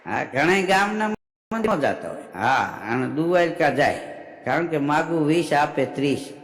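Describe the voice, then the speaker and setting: A man performs folk comedy on stage, spinning stories and slipping into the voices of his characters. His voice sits high, and it rings through a large hall with a long reverb. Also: moderate pace, some chatter behind. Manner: animated storyteller acting out characters in quoted voices. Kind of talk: live folk comedy storytelling.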